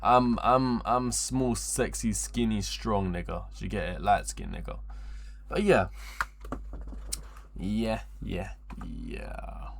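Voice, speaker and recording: With a slow, lowish voice and noticeable vocal fry, a twenty-year-old man hangs out with viewers on a livestream. The chat is rambling, repetitive and slangy, with swearing throughout.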